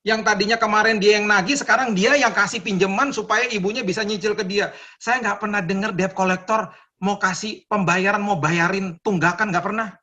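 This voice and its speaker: A man, preaching a sermon as pastor in a lively, conversational way and acting out the people he quotes. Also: high voice, brisk, dull audio.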